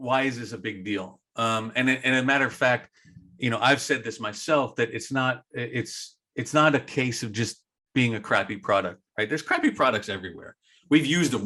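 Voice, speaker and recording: A man's voice has a bright, sharp tone and ordinary pitch variation. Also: medium pitch for a man, moderate pace, very clean recording, silent background. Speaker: accessibility expert, meetup presenter. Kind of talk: presentation. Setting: virtual meetup. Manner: casual, with many fillers and restarts.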